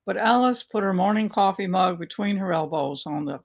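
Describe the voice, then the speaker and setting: An older woman reading her own memoir aloud over a video call from a home study, with a measured, unhurried storytelling manner. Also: mid-range voice, lively intonation, vocal fry. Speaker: author reading her work. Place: home study lined with bookshelves. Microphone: video call webcam.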